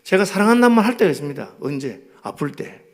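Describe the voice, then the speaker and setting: Revival preacher, male, Gyeongsang accent, gravelly voice, storytelling sermon with loud and hushed swings. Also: sits high, very animated, fast talker. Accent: Gyeongsang Korean. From Gyeongsang, South Korea.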